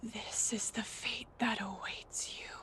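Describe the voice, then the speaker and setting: Whispering in a put-on character voice, a female-sounding speaker goes at a fairly slow pace. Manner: ominous, different from earlier voice.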